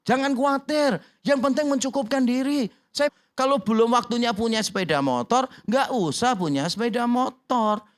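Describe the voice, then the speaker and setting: A man's voice: very high-pitched, normal speed. A man preaching as a church pastor, joking and acting out little dialogues in voices. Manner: humorous, acts out quoted dialogue in voices. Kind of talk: sermon.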